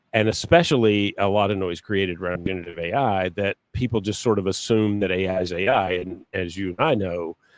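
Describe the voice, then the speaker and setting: Fairly low-pitched man with an American accent. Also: dry, close sound with no echo. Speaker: podcast host. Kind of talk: casual discussion.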